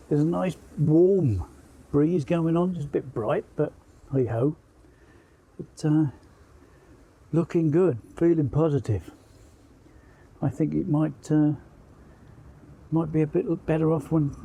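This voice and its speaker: A man's voice: on the high side, mellow, husky. A man chatting to camera outdoors with dry, self-deprecating humour. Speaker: angler vlogger. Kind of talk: casual chat to camera.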